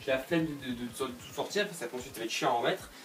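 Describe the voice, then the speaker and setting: A man's voice: mid-range voice, rapid-fire, very noisy. A young man giving a casual tour of his bedroom, rambling with lots of fillers and restarts and dropping the odd joke, recorded by a camera on a tripod. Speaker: YouTuber. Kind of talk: casual room tour vlog.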